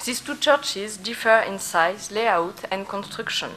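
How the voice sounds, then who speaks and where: A woman speaks at a very slow pace in a French accent. Audible room echo and noticeable background noise surround her. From France. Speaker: archaeologist. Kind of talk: conference presentation.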